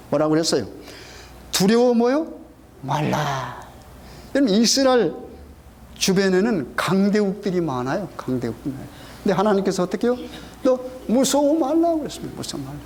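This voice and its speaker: A middle-aged male pastor preaching a sermon, quizzing the congregation with frequent questions and emphatic repetition. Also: high-pitched. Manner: call-and-response questioning, emphatic. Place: church sanctuary.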